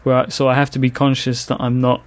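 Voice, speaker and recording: A male podcast host talks casually in a London accent. His T's often turn into glottal stops and his H's fall away, with some consonants lightly slurred. The voice sits at an ordinary male pitch. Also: completely flat delivery, fast talker.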